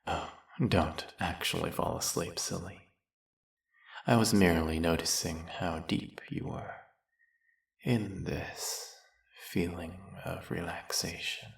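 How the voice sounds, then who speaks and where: A snake-headed villain with a silky, coaxing manner, voiced by a man. His voice sits very low with a gravelly, husky grain, and he takes his time with every word. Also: fairly even intonation, slow, exaggerated voice. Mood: hypnotic. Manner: silky, coaxing, soft-spoken and purring. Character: smooth-talking snake-headed male villain, hypnotist. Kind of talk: audio roleplay.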